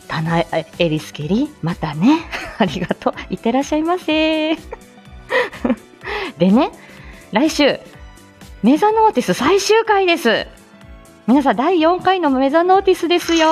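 Woman host, casual live-stream chat, lively pitch, laughs often, faint background music. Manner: chatty, laughs often, many fillers.

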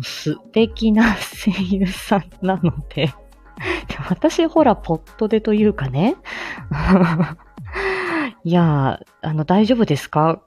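Chatty woman voice actress, casual livestream talk, low-ish lively voice, slightly dull audio with faint music. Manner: chatty, with many fillers and laughs. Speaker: voice actress promoting her drama.

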